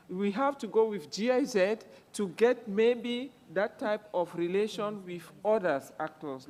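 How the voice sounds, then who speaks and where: A woman's voice: mid-range voice, darkish tone, long reverb tail. Hesitant woman panelist from Cameroon. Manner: hesitant, many fillers and restarts. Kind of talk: panel discussion remarks.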